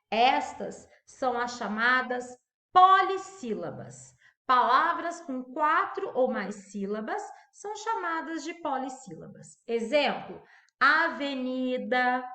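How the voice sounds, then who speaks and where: A woman's voice: high voice, a bit bright, roomy sound. A woman teacher giving a recorded grammar lesson, quizzing the class and drawing out key words. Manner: asks the class questions and answers them, stretching key words. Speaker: primary school teacher.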